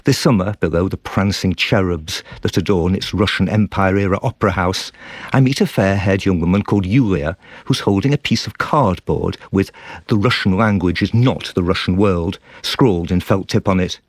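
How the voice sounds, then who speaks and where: Deep-voiced man reading a grave dispatch. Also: moderate pace, dry recording. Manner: grave, reflective narration. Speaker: foreign correspondent. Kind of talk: scripted radio dispatch.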